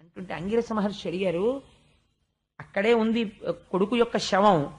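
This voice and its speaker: A man's voice: high-pitched, normal speed. A man giving a devotional scripture discourse, telling the story at length and chanting verses in a sing-song lilt. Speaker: spiritual discourse speaker.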